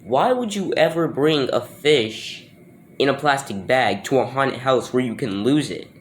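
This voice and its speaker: A man's voice: mid-range voice, lively intonation, measured pace, slight background noise. A man giving casual, unscripted reaction commentary in a questioning, incredulous, literal-minded way.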